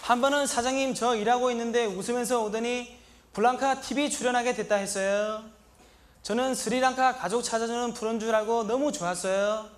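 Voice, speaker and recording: A comedian playing an earnest young male migrant worker with a Sri Lankan accent, speaking in short, broken sentences and shouting an indignant catchphrase. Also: very high voice, fairly even intonation, a little fast, some chatter behind. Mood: plaintive. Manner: broken, simple Korean sentences. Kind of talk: stand-up comedy monologue.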